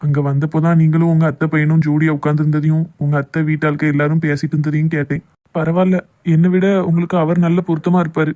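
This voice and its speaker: A man's voice: fairly high pitch, flat delivery, quick pace, dark tone, muffled recording, lightly acted. A man playing a hurt, jealous young lover in a cartoon love drama, with a southern Tamil Nadu accent. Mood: hurt, sarcastic.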